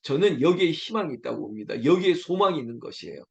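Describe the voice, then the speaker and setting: 남자 목사가 고난받는 신자의 탄식을 대신 외치듯 간절하게 설교하는 목소리. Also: male voice, on the high side, sing-song, fast talker, gravelly, dull audio. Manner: earnest, voices the cries of a suffering believer with rising intensity. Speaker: pastor. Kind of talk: sermon.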